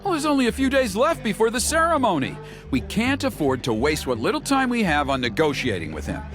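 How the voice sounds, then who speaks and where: An actor playing an earnest, exasperated tribal man in a video game, with an expressive, grumbling manner. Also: high-pitched, brisk. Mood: hopeful, grateful. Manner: expressive, grumbling, mimics others mockingly. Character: earnest, exasperated tribal elder man organizing a fire ceremony. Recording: loud background music over voice. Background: music.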